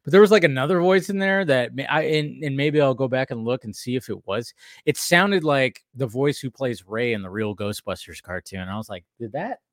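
A man's voice: mid-range voice, fairly quick, no room sound, studio quality. A man co-hosting a fan stream, chatting casually about a cartoon episode, laughing often and restarting his sentences. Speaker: podcast co-host.

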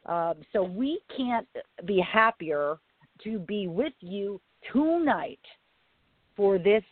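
A woman hosting a live talk radio show in a low, raspy voice, speaking deliberately and leaning on phrases for emphasis. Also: lively intonation, no room sound. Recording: tinny phone-line radio audio.

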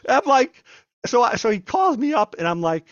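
A man, a former federal agent, telling stories in a conversational interview, animated and often repeating and restarting his words. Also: extremely high pitch, normal speed, no echo, dull audio. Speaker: guest, former FBI agent. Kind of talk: conversational storytelling.

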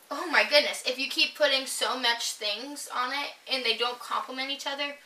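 Bright-voiced young woman host, roomy sound. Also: high-pitched, fairly even intonation, moderate pace. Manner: chatty, many fillers, giggly. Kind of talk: casual chat. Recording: roomy, distant mic.

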